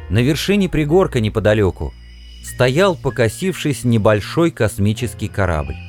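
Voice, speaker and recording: A man narrating a story in an expressive audiobook reading. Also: medium pitch.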